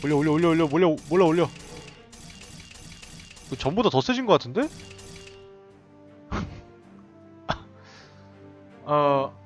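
A man giving excited, running commentary while playing a tower defense game, often laughing and reacting out loud. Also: on the high side, takes it slowly, long pauses, faint music behind. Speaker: game streamer. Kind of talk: live gameplay commentary.

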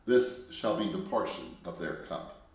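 A man's voice: sits low, sing-song, a little slow. Solemn man reciting prayers in an echoey room. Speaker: religious brother leading prayer. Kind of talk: liturgical prayer and scripture reading. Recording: very echoey room, mic far off.

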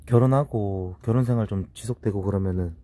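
A man's voice: on the low side, a little fast, mellow. A man live-streaming outdoors at night, chatting bluntly and swearing as he shivers from the cold. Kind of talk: casual live-stream chat. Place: outdoors at night at a holiday cabin.

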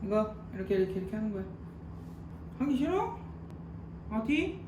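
High-voiced man coaxing a kitten. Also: very animated, moderate pace. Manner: coaxing, playful baby talk to a kitten. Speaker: vlogger, kitten owner. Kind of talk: casual vlog chatter. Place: home indoors. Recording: echoey room with faint noise.

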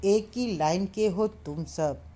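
A woman's voice: mid-range voice, slow, warm tone. A woman voicing a fearful, talkative female innkeeper in a storybook reading. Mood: nagging. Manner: chattering, fearful.

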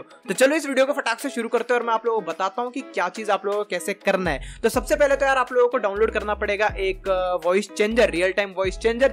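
High-voiced young man, chatty and quick. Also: a bit bright. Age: 20s. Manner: chatty, informal, explains step by step. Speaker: tutorial host. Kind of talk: casual screen-recorded software tutorial. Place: small indoor room at a desk. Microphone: close desk microphone.

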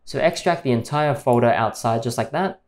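A man hosting a tech tutorial, calmly explaining each step in a screen-recorded voice-over. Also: mid-range voice, moderate pace.

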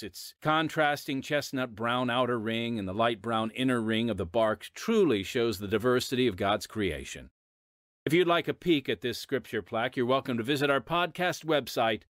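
A man's voice: mid-range voice, fairly bright tone, no room sound, studio quality. An American man hosting a Christian audio drama podcast, reading scripted announcements and narration. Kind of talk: scripted radio narration over music.

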